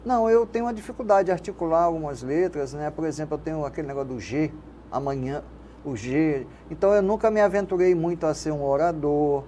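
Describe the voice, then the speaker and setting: An older Carioca man, interviewed about his life, with a somewhat high yet mellow, dark-toned voice. He talks in a rambling, reflective way, and a faint hiss of noise sits under the recording. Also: fast talker. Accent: Carioca Brazilian Portuguese. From Rio de Janeiro, Brazil. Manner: reflective, rambling with frequent "né?" tags. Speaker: guest, radio station manager and poet. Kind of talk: casual interview conversation.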